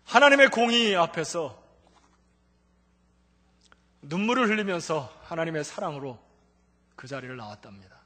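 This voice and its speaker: Man, pastor, fervent sermon, bright ringing voice, swells to near-shouts. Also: on the high side, expressive, normal speed, long pauses. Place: church sanctuary. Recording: long church hall reverb.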